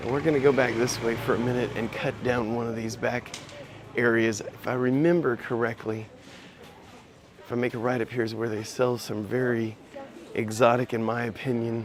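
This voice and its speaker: Quiet and flat in intonation, a man with a medium pitch speaks at a moderate pace, leaving long, frequent pauses over noticeable background noise. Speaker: travel vlogger. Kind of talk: live stream walking tour. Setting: outdoors at a market. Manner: speaking quietly.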